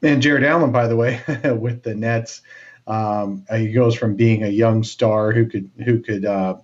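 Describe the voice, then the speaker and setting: A man's voice: lowish voice, fairly even intonation, unhurried, a little mellow. A man co-hosting a casual sports podcast, talking with lots of fillers and restarts. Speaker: podcast co-host. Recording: dull lo-fi sound.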